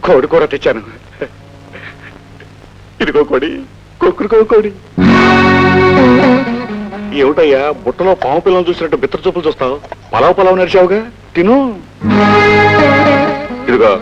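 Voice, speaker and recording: An actor playing a jovial, talkative middle-aged police constable who teases and laughs easily, in an old film scene. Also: male voice, fairly high pitch, a little fast, long pauses, lightly acted. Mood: kindly. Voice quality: chatty, teasing, laughing easily. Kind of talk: 1970s Telugu film acting. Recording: dull old film soundtrack with music.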